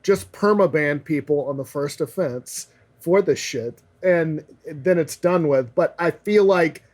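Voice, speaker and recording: A man with a slightly high voice speaks in an easy, conversational way, often restarting his sentences. He co-hosts a casual panel discussion about games. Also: unhurried, a little mellow.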